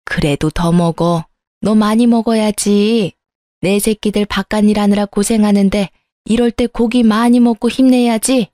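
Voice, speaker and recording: A woman's voice: mid-range voice, fairly even intonation, measured pace, warm tone, no echo, clean studio sound, natural voice. A woman voicing a petty, spiteful older mother-in-law who scolds with scorn in a storybook tale. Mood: doting.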